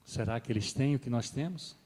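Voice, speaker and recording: A middle-aged man preaching a sermon as pastor, swelling loud on key points and then dropping soft. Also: medium pitch, brisk. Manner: rises and swells with emphasis, then drops soft. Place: church hall. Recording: long reverb of a church hall.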